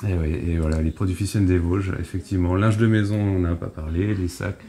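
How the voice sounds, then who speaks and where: Low-voiced Frenchman doing radio interviews. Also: steady tone, brisk, dark tone. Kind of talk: casual, bantering interview chat. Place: tourist office shop.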